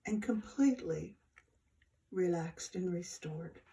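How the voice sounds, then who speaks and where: With a lowish voice touched by vocal fry, a woman leads yoga nidra, calmly offering short meditation instructions and pausing in between.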